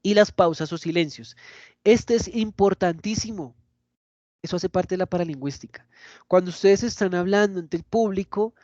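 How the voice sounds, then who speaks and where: A man giving an online lecture in a lively, demonstrative way, often checking in with his listeners. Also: high voice, dry recording, highs cut off.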